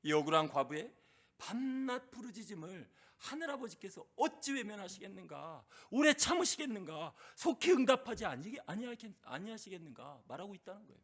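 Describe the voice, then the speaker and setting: A middle-aged man preaching a sermon as pastor, impassioned, often putting questions to the congregation and swinging from loud crying out to hushed. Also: sits high, big pitch swings, fairly quick.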